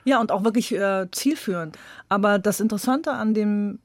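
A woman's voice: mid-range voice, moderate pace, dry recording, studio quality. A woman speaking as an expert guest, explaining things emphatically in a spontaneous discussion. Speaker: expert guest in a radio interview.

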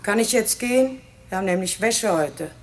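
An actress playing a plain-spoken village maidservant in a radio crime drama, colloquial and matter-of-fact. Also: female voice, medium pitch, animated, moderate pace. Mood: plain, slightly impatient. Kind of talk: German radio play acting.

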